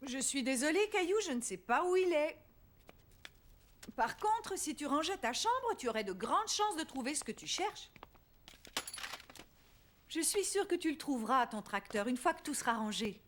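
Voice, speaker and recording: A patient, encouraging mother from a children's cartoon. Her voice is high and very melodic, phrased gently for a young child, with faint noise behind it. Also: very animated, moderate pace, long pauses. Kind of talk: children's cartoon dub acting.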